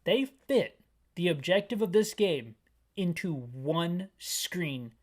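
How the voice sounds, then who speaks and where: A man's voice: high voice, expressive, takes it slowly. A man hosting an audio-described video game playthrough, narrating the screen with rambling, wry, self-mocking asides. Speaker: gaming channel host.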